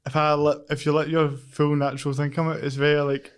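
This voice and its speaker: A man's voice: a little high, little pitch movement, fairly quick, smooth. A Scottish man hosting a casual podcast interview, bantering in a self-deprecating way. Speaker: podcast host.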